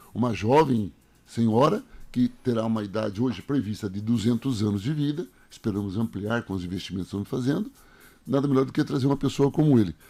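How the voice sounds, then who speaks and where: A man's medium-pitched voice with a dark, mellow tone, ordinary pitch variation, a very fast pace, and a very clean recording over a silent background. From Brazil. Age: 60s. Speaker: director of a hydroelectric plant. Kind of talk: radio interview.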